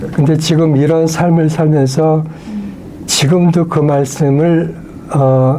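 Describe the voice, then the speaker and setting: A man's fairly high voice, very slow and flat, with long, frequent pauses, audible room echo and noticeable background noise. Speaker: church elder. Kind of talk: testimony.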